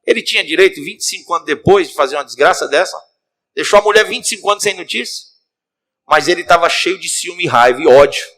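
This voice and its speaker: Animated preacher telling a sermon story. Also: male voice, on the high side, fast. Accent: Cearense Brazilian Portuguese. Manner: animated, addresses the congregation directly. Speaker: bishop, preacher. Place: church.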